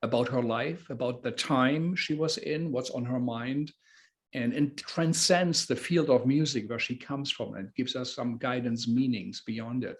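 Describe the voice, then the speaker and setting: A man hosting a book talk, interviewing conversationally in halting phrases with many repeats. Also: mid-range voice.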